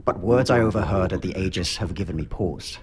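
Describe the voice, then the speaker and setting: A man playing a grave outsider from an enemy people in a science fiction audio drama, formal and measured. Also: deep voice, noisy background, lightly acted. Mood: grave, uneasy.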